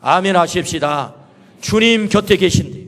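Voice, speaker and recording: A man's voice: high-pitched, expressive, normal speed, a bit bright. A male pastor preaching a sermon, asking many rhetorical questions and quoting Jesus in a personal, spoken manner. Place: church sanctuary. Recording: reverberant church hall.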